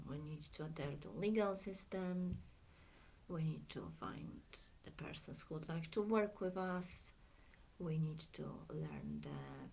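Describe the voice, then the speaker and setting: A middle-aged woman from Poland with a Polish accent, a coach talking in a slow, reflective way that often drifts into near-whispers. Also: sits low, darkish tone, a little hiss or hum. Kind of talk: reflective Facebook video talk.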